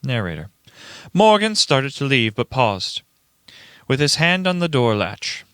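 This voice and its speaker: A man reading scripted radio play narration in a deliberate, dramatic way. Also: mid-range voice, sing-song, fairly bright tone, smooth, no room sound, studio quality. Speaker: reader, narrator.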